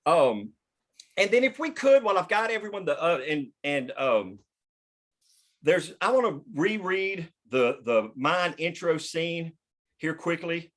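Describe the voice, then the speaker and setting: Guy running a table read, talks thru the story kinda halting, stops to find words, swears a bit. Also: a little high, expressive, fairly bright tone. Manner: halting, pausing mid-sentence to find words. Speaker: writer and host leading a table read. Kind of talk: casual group discussion explaining a story.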